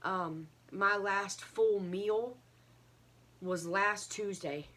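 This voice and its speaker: A woman giving a casual, earnest update to viewers, halting and a little short of breath as she recovers from illness. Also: medium pitch, a bit bright. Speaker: craft vlogger.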